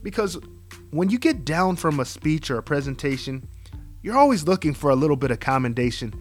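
Earnest male podcast host, higher voice. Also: very animated, fairly quick, faint music behind. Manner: earnest, encouraging, gives advice. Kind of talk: casual podcast chat and interviewing.

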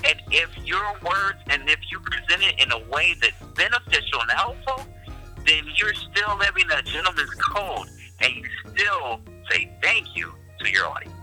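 A man's voice: on the high side, very animated, normal speed, sharp tone, soft background music, rough recording. A man co-hosting a podcast, emphatically giving practical tips. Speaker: podcast co-host. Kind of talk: casual podcast chat.

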